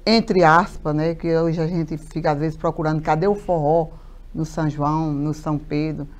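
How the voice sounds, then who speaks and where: A mayor in her 50s from Paraíba, Brazil, is a guest in a TV studio interview, talking animatedly and gesturing a lot, with many fillers and repeated words. She has a deep voice at normal speed, recorded on a lapel mic.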